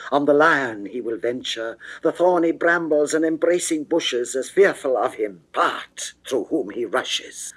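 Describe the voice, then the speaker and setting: A man in a classical dramatic poetry reading from the 1960s, voicing a fearful, pleading goddess of love in a measured, declamatory manner. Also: a little high. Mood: grave warning. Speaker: reader of dramatic verse. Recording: early 1960s studio recording.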